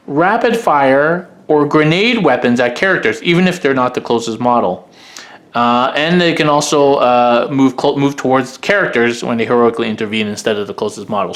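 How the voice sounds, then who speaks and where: A man's voice: medium pitch, a bit bright. A man hosting a tabletop gaming channel, reading through rules in casual commentary and frankly giving his opinions as he thinks aloud. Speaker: host of a tabletop wargaming channel.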